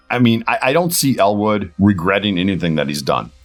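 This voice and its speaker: A man speaking as a guest voice actor in a casual interview, halting and thinking aloud as he answers. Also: fairly low pitch, big pitch swings, faint music behind.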